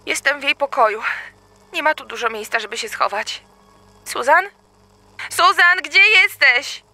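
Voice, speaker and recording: An actress playing a terrified mother searching her dark house for her young daughter, panicked and pleading. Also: high voice, lively intonation, measured pace, exaggerated voice. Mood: frantic. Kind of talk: audio drama acting.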